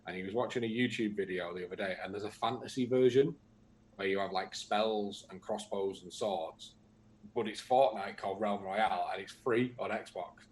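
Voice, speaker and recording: A man chats easily on a livestream and reads viewer comments aloud, adding his own asides. His voice sits on the low side. A faint hiss of room noise runs underneath. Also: normal speed. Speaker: co-host reading viewer comments. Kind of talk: casual livestream chat.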